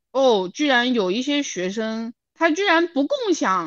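Lively intonation marks a woman's high-pitched voice at a fairly slow pace. The sound is dry and close, with no echo. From Gansu, northwest China. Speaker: PhD student and author. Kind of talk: interview conversation.

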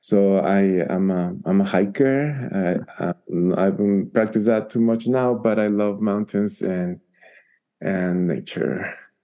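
A man with a Guatemalan accent, fairly low in pitch, with a dark, mellow tone, ordinary pitch variation and a fairly slow pace. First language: Spanish. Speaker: professor of math teacher education. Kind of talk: casual interview. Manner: halting, with many fillers.

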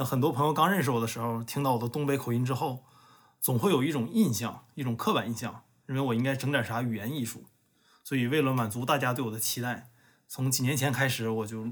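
Speaking very fast with a Northeastern Chinese accent, a man keeps his intonation fairly even. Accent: Northeastern Mandarin. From Northeast China. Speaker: podcast host and tech founder. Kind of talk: scripted narration.

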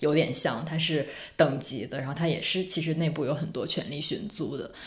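A woman's fairly low, somewhat breathy voice at a very fast pace, with ordinary pitch variation and audible room echo. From Northeast China, small town in southeast Heilongjiang. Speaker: podcast co-host, journalist. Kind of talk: casual chat.

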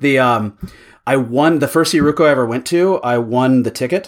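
A man talks at a medium pitch. He has an American accent. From US Pacific Northwest, north of Seattle. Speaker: software developer and meetup organizer. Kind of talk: casual interview chat. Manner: halting with many repeated words.

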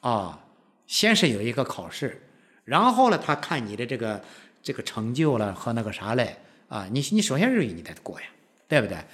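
Very wide pitch swings from a man at a moderate pace. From Shaanxi, China (Baoji). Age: 60s. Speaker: martial arts and qigong teacher. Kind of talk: interview storytelling. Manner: halting.

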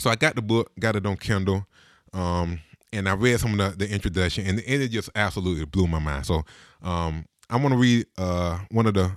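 On a very clean recording with a silent background and a dry, close sound with no echo, a man with a very deep, low pitch speaks with lively intonation. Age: 30s. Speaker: podcast host. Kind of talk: casual solo monologue.

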